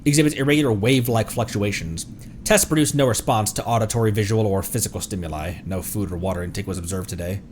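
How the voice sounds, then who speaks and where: This VTuber talks fast in a lowish voice, with slight background noise, as he livestreams a game. He reads the on-screen text aloud and reacts casually, occasionally fumbling words and correcting himself.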